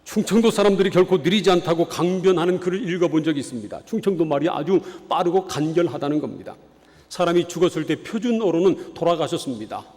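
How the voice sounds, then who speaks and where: A male pastor with a notably high voice delivers an earnest sermon, often asking the congregation questions. He is from the Chungcheong region of Korea. His voice rings with the long reverb of a church hall. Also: lively intonation, fast, darkish tone. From Chungcheong, South Korea. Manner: earnest preaching with rhetorical questions. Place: church sanctuary.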